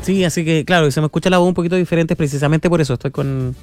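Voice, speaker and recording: In a radio studio, a young Chilean host chats casually over loud music, relaxed and talkative, with frequent filler tags. His nose is stuffed up from a cold, and his voice is a little high and rapid-fire.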